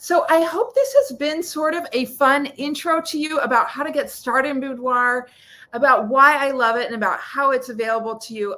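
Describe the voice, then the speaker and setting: A woman with a high pitch and a bright, sharp tone projects a raised voice at a moderate pace, her intonation lively. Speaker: boudoir photographer and educator. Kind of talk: webinar presentation.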